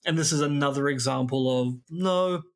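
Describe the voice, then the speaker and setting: Wry New man, slightly high voice. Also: moderate pace. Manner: wry, playful. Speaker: podcast co-host. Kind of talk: casual chat.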